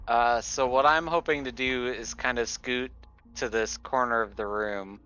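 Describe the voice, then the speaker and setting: A man playing a tabletop game, chatting casually and thinking out loud with some hesitation. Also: medium pitch, fairly even intonation, unhurried, smooth, lo-fi sound, faint music behind.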